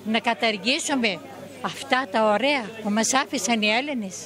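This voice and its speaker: An older woman with a high voice speaks in a heartfelt, patriotic way. A faint crowd murmurs behind her. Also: fairly bright tone.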